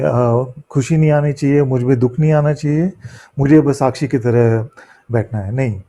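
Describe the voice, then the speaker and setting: A man giving a spiritual discourse as a teacher, halting as he searches for words in imperfect, non-native Hindi mixed with English words. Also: fairly high pitch, mellow. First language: not a native Hindi speaker, apologises for imperfect Hindi. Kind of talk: spiritual discourse in question-and-answer setting.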